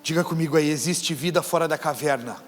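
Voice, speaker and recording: A man preaching a sermon as pastor, acting out couples' lines and shouting rebukes. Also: fairly high pitch, fairly quick. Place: church hall. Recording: church hall reverb with faint music.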